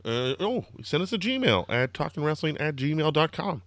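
A young man with a slightly hoarse, throaty voice, hosting a casual wrestling podcast and rambling excitedly with lots of fillers. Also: a little high, moderate pace, dry recording. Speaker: podcast host.

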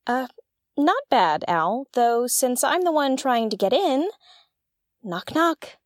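A woman's voice: high voice, very animated, takes it slowly, no room sound, clean studio sound, full character voice. A woman playing an inquisitive young spaceship explorer in an audio drama, wryly talking to herself as she goes. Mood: wry, exasperated. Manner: talks to herself, wry and inquisitive. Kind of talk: audio drama acting, narrating actions aloud.

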